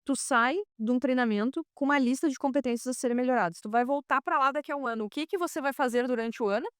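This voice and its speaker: A woman, a pilot hosting a podcast interview, asking questions in a quick, chatty way. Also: high voice, smooth, no echo, clean studio sound.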